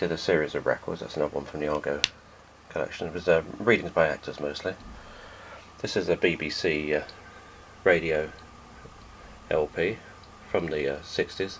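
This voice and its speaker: With long, frequent pauses and fairly even intonation, a man speaks at a very deep, low pitch amid noticeable background noise. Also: fairly quick pace. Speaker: record collector. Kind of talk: casual talk to camera.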